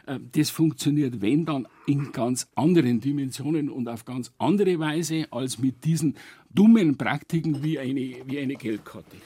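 Brief: middle-aged male volunteer, raspy and dark-toned, plain-spoken critic, dry close mic. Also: on the high side, no echo. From Germany. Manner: blunt and critical, stumbles and corrects himself. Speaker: longtime refugee volunteer, studio guest. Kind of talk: studio radio discussion. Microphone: studio microphone.

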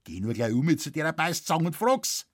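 A man's voice: fairly high pitch, big pitch swings, moderate pace. A man voicing a sly, jovial Bavarian village blacksmith who talks in broad, hearty dialect.

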